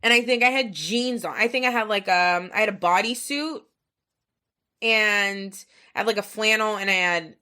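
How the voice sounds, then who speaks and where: Bright-voiced, profane woman podcaster storytelling. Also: medium pitch, normal speed. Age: 30s. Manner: rambling, profane, filler-heavy, animated retelling with quoted voices. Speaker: podcast host. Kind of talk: casual storytelling monologue.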